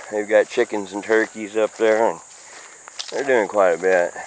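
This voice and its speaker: At a fairly slow pace, a man speaks in a medium pitch over noticeable background noise. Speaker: homesteader vlogger. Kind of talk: casual vlog narration. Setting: outdoors. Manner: halting, self-correcting.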